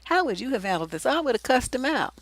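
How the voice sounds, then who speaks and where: A woman's voice: high voice, big pitch swings, fast talker, no room sound. A middle-aged woman hosting a relationship advice livestream, talking bluntly and profanely with theatrical flair. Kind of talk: casual livestream advice chat.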